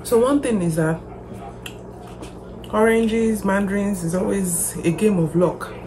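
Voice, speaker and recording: A woman's voice: medium pitch, unhurried. A woman chatting casually to her viewers like a lifestyle vlogger, musing aloud as she goes. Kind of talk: casual vlog chat to viewers. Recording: clear background noise.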